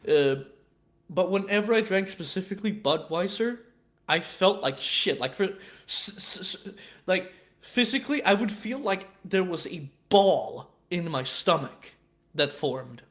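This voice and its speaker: A man's voice: high-pitched, lively intonation, unhurried, fairly bright tone. A man in his twenties chatting casually on a live stream, rambling and swearing freely, with many stammered restarts. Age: 20s.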